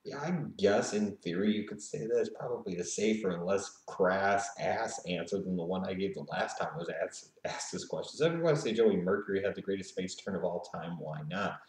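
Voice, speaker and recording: A man's voice: deep voice, a little fast, hardly any pauses, darkish tone, roomy sound, rough recording. A man hosting a casual Q&A show, reading viewer questions and answering with jokes and frequent laughter. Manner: joking, laughing, mocking. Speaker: host. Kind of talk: casual Q&A commentary.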